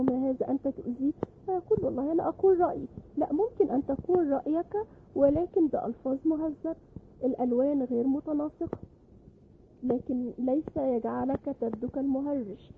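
A woman educator giving parenting advice in an earnest, measured, instructive radio talk. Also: high voice, creaky, darkish tone, a little hiss or hum, poor audio.

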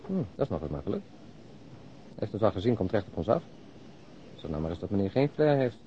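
Discreet policeman: obliging, quick-spoken, lowish voice, slightly noisy radio-play sound. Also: sing-song, mellow. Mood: hushed, wry. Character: obliging, discreet male plainclothes policeman making an arrest. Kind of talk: Dutch radio play acting. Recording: slightly muffled radio drama, faint noise.

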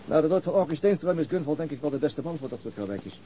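A level-headed male detective played by a man in a radio play, talking quickly in a soft, dark tone. His manner is dry and matter-of-fact, with small hesitations. There is slight noise on the recording. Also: a little high, lively intonation, lightly acted, rough recording. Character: level-headed, dryly teasing male police detective and father. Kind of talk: naturalistic radio drama acting.

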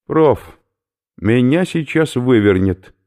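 A man voicing a brash, rough young male skinhead who talks loudly and bluntly in slang. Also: mid-range voice, expressive, slow, voice pushed up. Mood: grumbling. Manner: loud, blunt, slangy, impatient.

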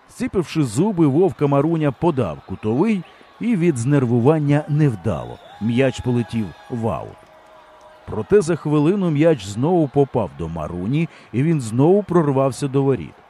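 Lively male audiobook narrator. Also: medium pitch, slightly rough. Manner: lively storytelling. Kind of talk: scripted narration.

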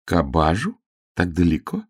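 A man's voice: deep voice, wildly swooping pitch, normal speed, a little mellow, slightly rough, no room sound, studio quality, heavily acted. A man voicing a beautiful, melodious noble lady in a storybook reading, sweet-sounding but cruel underneath. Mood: sweetly coaxing. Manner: sing-song and coaxing. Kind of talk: audiobook character reading.

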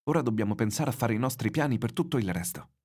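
A man's voice: medium pitch, animated, fast talker, a little mellow, slightly rough, pitched above the performer's own voice. A man voicing a devoted young fisherman's boy in a read-aloud novel, lifting his voice to sound earnest.

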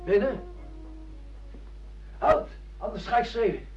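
An actor playing an irritable, disoriented husband who questions everything in a radio drama. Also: male voice, sits high, slow pace, a little mellow, faint music behind. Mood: exasperated. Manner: querulous, questioning, exasperated. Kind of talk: radio play acting in Dutch. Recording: dull, muffled radio drama recording.

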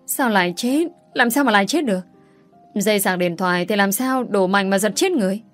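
A man's voice: high voice, fairly quick, soft background music, natural voice. A man voicing a distraught young father who pleads frantically in a narrated story. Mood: frantic.

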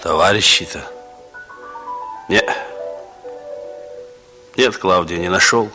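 A young actor playing a rough, laconic young man with a hard past who talks in a colloquial, gently teasing way, in 1960s radio drama style. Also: deep voice, slow, faint music behind, heavily acted. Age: young adult.

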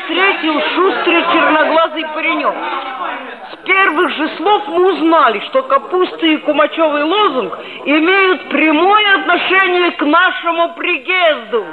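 A woman's voice: extremely high pitch, unhurried, crowd noise. A woman playing a chatty, teasing red-haired schoolboy who narrates, in 1960s radio drama style. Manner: teasing, needling questions. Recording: tinny old 1960s radio recording.

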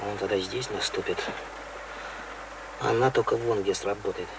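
Creaky-voiced cautious village lad, played by a man. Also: on the low side, fairly even intonation, normal speed, close to an everyday voice. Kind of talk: Russian radio play acting. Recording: distant, noisy radio recording.

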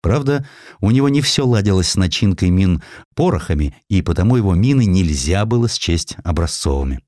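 A low-pitched male narrator reads a historical sketch. His delivery is theatrical and very animated, as if telling a tale straight to the listener. The recording is dry and close. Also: fairly quick, no echo. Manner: theatrical storytelling, addresses the listener. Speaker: audiobook narrator.

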